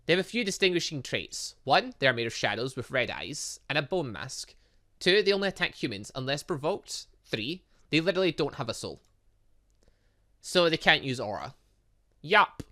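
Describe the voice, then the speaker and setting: A man's voice: a little high, very animated, moderate pace, pushed and bright. A man voicing a cheeky, blunt young female student who teases and lectures, in a visual novel game. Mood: lecturing. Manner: teasing, lecturing.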